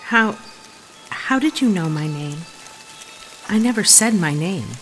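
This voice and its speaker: A woman's voice: medium pitch, animated, unhurried, soft background music, close to an everyday voice. An actress playing a shaken young woman in an audio drama, wary and wryly sarcastic. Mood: unnerved.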